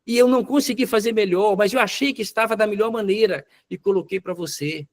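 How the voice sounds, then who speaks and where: A man's voice: high voice, brisk, pitched above the performer's own voice, natural voice. Man raising his voice into a tearful, hurt young wife. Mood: hurt, pleading. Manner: pleading, emotional.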